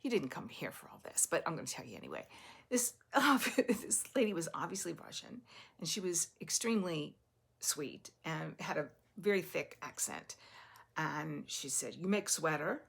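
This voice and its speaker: Woman, low voice, gravelly fry, rambling casual chat, knitting podcast host, laughs a lot. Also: big pitch swings, normal speed. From US East Coast. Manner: rambling, self-interrupting, laughs often. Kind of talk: casual chatty storytelling to camera. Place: at home.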